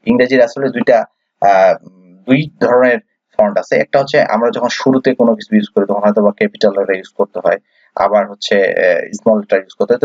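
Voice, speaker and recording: In a dry, dull, lo-fi recording, a man from Bangladesh with a darkish, mid-range voice teaches English reading. Letter by letter, he spells out words for the class, patiently asking questions and supplying the answers himself.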